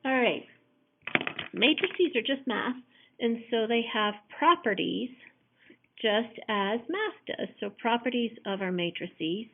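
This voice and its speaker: A hoarse woman teacher patiently explaining matrix math step by step in a recorded lesson. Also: a little high, animated, slow. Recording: tinny phone-like audio.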